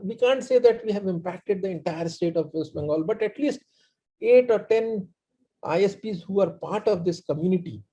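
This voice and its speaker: A man with an Indian accent explaining his work as a panelist in a halting, presentational way. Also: high-pitched, dark tone, husky. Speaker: panelist, community organizer. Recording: dull, muffled online-call audio.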